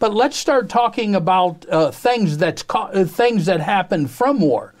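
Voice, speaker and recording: Over noticeable background noise, a man with a high pitch and lively intonation speaks at a fairly slow pace. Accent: American. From US, North Dakota. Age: 60s. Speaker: social activist, charity founder. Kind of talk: TV interview. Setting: studio.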